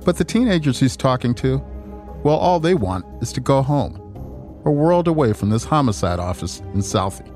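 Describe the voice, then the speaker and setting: A man narrating a documentary podcast in a measured, dramatic scripted style. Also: mid-range voice, expressive, a little mellow, faint music behind. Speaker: podcast host.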